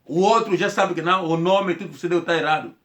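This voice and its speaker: Man, slightly high voice, casual rambling storyteller who repeats himself and acts out what people said. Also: fast talker, a bit bright. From Angola. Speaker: commentator telling a personal story.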